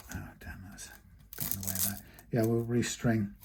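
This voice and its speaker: This man talks at a moderate pace with a British accent. His voice is somewhat breathy, with ordinary pitch variation. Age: 60s. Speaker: guitar repair technician. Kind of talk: casual chat; tutorial. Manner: hesitant, many fillers.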